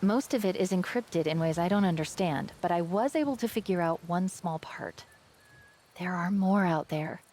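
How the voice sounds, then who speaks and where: A woman's voice: lowish voice, normal speed, darkish tone, natural voice. A woman playing a confident, quippy young AI companion who briefs a soldier in a video game. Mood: intrigued. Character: young female AI companion, bright, wry, confident.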